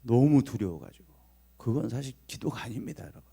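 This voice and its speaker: Man preaching, pastor, expressive pitch that swoops up and down, storytelling sermon, speaks straight to the congregation. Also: brisk, vocal fry, slightly rough. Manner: animated storytelling with acted lines of Jesus; talks directly to the congregation, asking questions.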